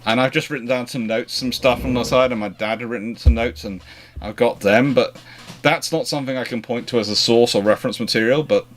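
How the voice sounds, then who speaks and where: A man hosting an informal history question-and-answer chat, talking in a discursive, halting way and often rephrasing mid-sentence. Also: medium pitch, fairly even intonation, faint music behind. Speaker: naval history livestream host answering questions.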